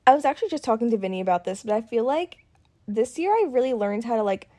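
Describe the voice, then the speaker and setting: Animated, chatty young woman in her twenties. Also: fairly high pitch, quick pace. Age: 20s. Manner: chatty, animated storytelling full of "like". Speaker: podcast co-host. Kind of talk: casual chat.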